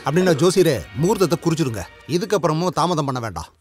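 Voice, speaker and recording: An actor playing the impatient, commanding head of a family in a film scene. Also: male voice, a little high, lively intonation, lightly acted. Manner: brisk, commanding. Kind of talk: film dialogue. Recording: film soundtrack with loud music.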